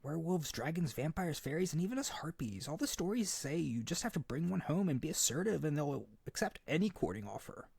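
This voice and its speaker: A man's voice: fairly high pitch, a little fast, vocal fry, few pauses, husky, dry recording, exaggerated voice. A man playing a hyper, naive and desperate harpy boy in an ASMR character roleplay, earnest and pleading. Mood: dejected, desperate. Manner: pleading, excitable, stammering, earnest.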